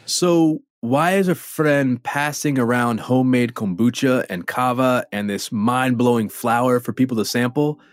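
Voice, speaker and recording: A man's voice: medium pitch, measured pace, hardly any pauses, no echo. Playful male documentary narrator. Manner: playful, conversational. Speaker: host and reporter. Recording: light music underneath.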